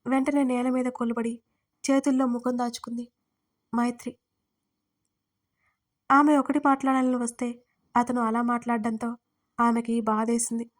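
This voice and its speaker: Woman reading an audio story aloud, steady and unhurried, kinda high, flat tone. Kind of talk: scripted narration.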